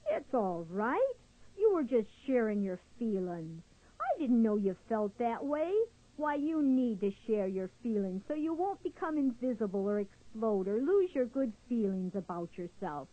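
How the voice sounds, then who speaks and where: Woman playing a kind gentle squirrel, husky mellow voice, reassuring, storybook. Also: on the high side, big pitch swings, a little slow. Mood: soothing. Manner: soothing, reassuring. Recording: dull lo-fi recording.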